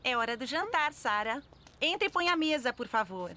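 A woman voicing a kind, hospitable mother in a Brazilian children's cartoon dub, gentle and encouraging. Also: sits high, very animated, moderate pace, exaggerated voice. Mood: kindly. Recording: music behind the voice.

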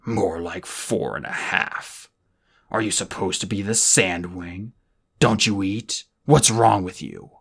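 A man voicing a huge, scornful black male dragon who speaks slowly, coldly and with venom. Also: low voice, creaky, fairly bright tone, slightly rough, pitched below the performer's own voice, exaggerated voice. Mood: menacing. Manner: slow, cold, venomous.

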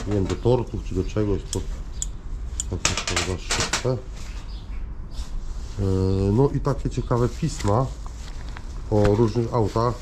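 A man giving casual, rambling vlog commentary, halting and repeating himself as he addresses viewers. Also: on the low side, warm tone, slight background noise. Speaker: vlogger showing finds from discarded junk.

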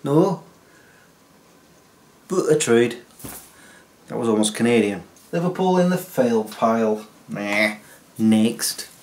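An animated man, chatting to camera from a small home office. He pokes fun at himself as he talks. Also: mid-range voice. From England. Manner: self-mocking, animated, waves hands while talking. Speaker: YouTuber. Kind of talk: casual vlog chat to camera.

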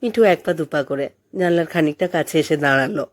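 A woman reading a story as an audiobook narrator, in an expressive scripted style. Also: low voice, fairly quick.

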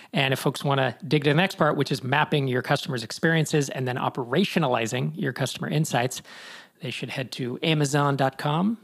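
A man hosting a podcast interview, upbeat and quick with follow-up questions. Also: fairly high pitch, gravelly. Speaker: podcast host.

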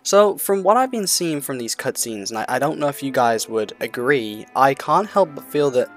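A man's voice: medium pitch, big pitch swings, moderate pace, soft background music. A man giving unscripted, casual commentary on a video game in a rambling, hesitant way, often repeating himself.

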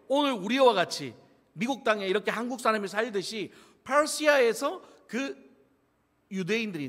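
A pastor with a Gyeongsang Korean accent preaches a sermon in a church sanctuary, joking and laughing as he tells the story, heard with long church reverb. His voice is high and a bit bright.

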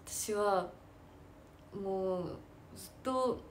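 A woman's voice: mid-range voice, very slow, a little hiss or hum. A young woman chatting casually in a self-deprecating way, laughing often as she talks. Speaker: idol and stage actress. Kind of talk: casual chat.

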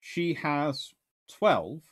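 On the high side and very animated, the man speaks very slowly. As a naval historian fielding viewer questions live from a cozy book-lined study, he thinks aloud, rambling and revising what he says.

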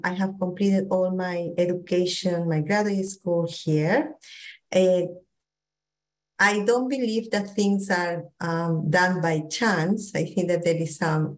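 A middle-aged woman from Peru with a thick Peruvian Spanish accent, presenting a training talk on a video call, pausing often with fillers and restarts. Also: lowish voice, low-quality recording. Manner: warm, hesitant with many fillers and restarts. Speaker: psychologist presenter.

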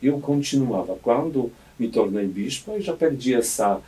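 The recording is low-quality and distant, catching a medium-pitched, expressive, dark-toned voice at a moderate pace through a studio mic on a boom arm. It's a Polish auxiliary bishop in his fifties with a Polish accent, in a radio studio interview, reflective and hesitant with many restarts.

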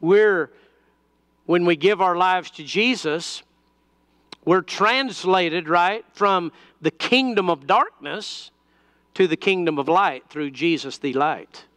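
A male pastor speaks into a pulpit microphone in a slow, unhurried sermon, his fairly high voice smooth and clear. He keeps it conversational, with frequent fillers and restarts. The sound is close and dry, with almost no room echo. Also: fairly bright tone.

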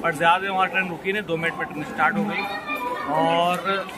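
Young man, high-pitched voice, chatty travel commentary, phone at arm's length, loud train noise, busy crowd behind. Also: steady tone, a little fast. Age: young adult. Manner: chatty, explains routes and timings to viewers. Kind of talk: casual travel vlog commentary. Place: inside a moving train and on a station platform. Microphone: phone camera at arm's length.

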